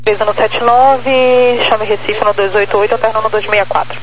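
A man's voice: high voice, fairly even intonation, moderate pace. A man speaking terse, procedural air traffic phraseology over a radio transmission. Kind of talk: clipped aviation radio phraseology. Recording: muffled, very noisy aviation radio.

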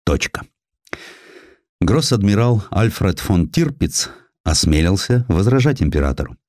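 Male audiobook narrator, low voice, dark mellow tone, dry close sound, literary historical storytelling. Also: no room sound. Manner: expressive, measured storytelling delivery.

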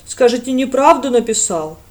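A woman's voice: on the high side, animated, normal speed, lightly acted. A woman voicing a sardonic commanding man who reads aloud in a mocking, declamatory tone.

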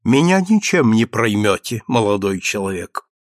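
A man's voice: on the low side, big pitch swings, moderate pace, no echo, clean studio sound. A man reading aloud and voicing a sullen, sober Polish man who answers curtly and grumbles. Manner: grumbling, curt.

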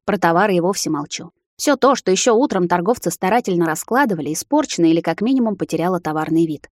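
Brisk woman reading a fantasy novel. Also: fairly low pitch, dry recording, clean studio sound. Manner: brisk, expressive storytelling. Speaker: audiobook narrator. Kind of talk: first-person fantasy novel narration.

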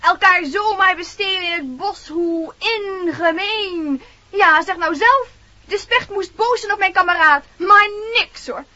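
A woman's voice: extremely high pitch, unhurried, pushed and bright, dry recording, full character voice. A woman voicing an indignant, thieving forest bird in a radio play, quarrelsome and whining in protest. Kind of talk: Dutch radio play acting. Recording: dull radio recording, faint noise.

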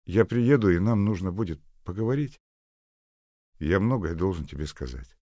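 A man's voice: sits low, expressive, normal speed, mellow, no echo, pitched above the performer's own voice. A man voicing an eager, caring young man on a long-distance call. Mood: serious.

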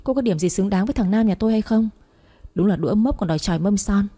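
A woman's voice: mid-range voice, a little fast, mellow, lightly acted. A woman doing a sneering rich older lady. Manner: sneering, mocking. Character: scornful rich older woman, future mother-in-law.

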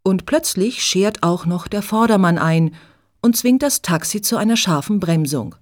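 A woman narrating a chapter of a story in clear, measured scripted reading. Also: mid-range voice, animated. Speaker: audiobook narrator.

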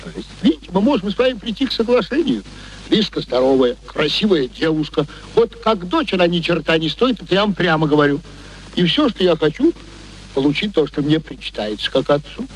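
A man's voice: on the high side, big pitch swings, brisk, low-quality recording. An actor in a radio play playing a sly, wheedling working-class father, theatrical and ingratiating in his manner. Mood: frank haggling. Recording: old radio recording with background noise.

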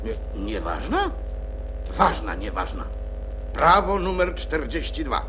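A man's voice: on the high side, big pitch swings, takes it slowly, pushed and bright, heavily acted. An actor playing a pompous, muddled king acting as judge in a children's audio play, hesitant and self-important. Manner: pompous, hesitant, contradicts himself. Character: blustering, muddled King of Hearts presiding as judge. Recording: old record with faint noise.

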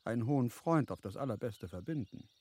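An actor playing a worldly, self-assured count in a radio drama, charming and sensual, with urbane, formal old-fashioned phrasing. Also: male voice, mid-range voice, expressive, fairly quick, a little mellow, husky. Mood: approving, self-assured. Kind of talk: literary radio drama acting.

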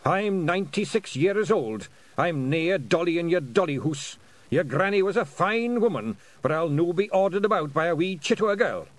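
A man putting on a gruff old Scottish piper. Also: sits high, big pitch swings, normal speed, no room sound, pitched above the performer's own voice. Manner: gruff, scolding, blunt dialect. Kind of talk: audiobook character voice.

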